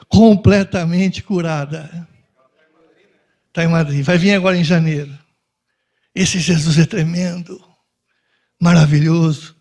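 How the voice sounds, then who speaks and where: A preacher with a notably high voice tells a testimony from the pulpit. He tells it with animation and acts out the dialogue of everyone in the story. His tone rises high and stays there. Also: a little mellow. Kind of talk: sermon testimony.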